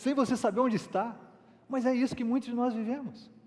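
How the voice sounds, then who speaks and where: A man is speaking. His pace is moderate. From Brazil. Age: 50s. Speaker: pastor. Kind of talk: sermon.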